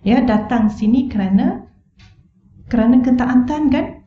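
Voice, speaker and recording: Her voice on the high side and warm, a middle-aged Malaysian woman lectures unhurriedly on religion in a mosque hall. She speaks earnestly, asking the audience rhetorical questions, and her wireless mic feeds a roomy, dull-sounding hall recording.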